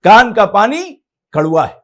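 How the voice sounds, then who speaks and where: A man's voice: sits high, lively intonation. A man with an Indian Urdu accent preaching a memorial majlis sermon, addressing the congregation directly in rising and falling oratory. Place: studio.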